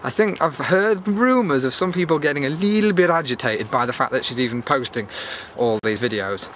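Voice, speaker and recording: A British man hosts a casual vlog on foot in a bright, edgy voice. He talks in a chatty, meandering way, thinking aloud as he goes. The recording is made outdoors, with noticeable ambient noise behind him. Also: mid-range voice, animated, brisk. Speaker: YouTube vlogger and host. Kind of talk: rambling casual walk-and-talk vlog. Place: outdoors on a cold evening walk. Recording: clear outdoor background noise.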